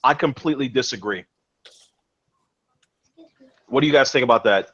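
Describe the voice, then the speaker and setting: A young man hosting a casual gaming podcast, talking excitedly, swearing freely and repeating his words as he goes. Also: mid-range voice, moderate pace, slightly rough, dull audio. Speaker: podcast host.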